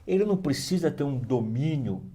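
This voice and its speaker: A man's voice: a little high, lively intonation, fairly quick, warm tone, slightly rough. A man hosting a talk-show interview, putting careful, probing questions to his guest.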